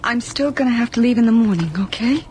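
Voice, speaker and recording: A woman's voice: on the high side, a little mellow, slight background noise, close to an everyday voice. An actress playing a wary, vulnerable young woman stranded overnight in a radio drama, speaking hesitantly. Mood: uneasy, tender. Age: young adult. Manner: hesitant, halting.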